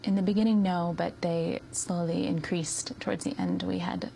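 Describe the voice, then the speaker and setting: Low gravelly american woman in her 30s, soft and halting with lots of ums, faint hiss behind. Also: big pitch swings. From United States. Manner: hesitant, with many ums and soft laughs. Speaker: interview guest. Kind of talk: soft-spoken interview answers.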